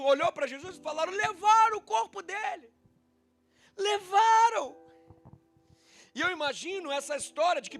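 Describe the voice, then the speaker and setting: A male pastor with a Brazilian Portuguese accent preaching a dramatic sermon, acting out the scripture dialogue and speaking straight to his congregation. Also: very high-pitched. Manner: dramatic, acts out the scripture dialogue with loud swings.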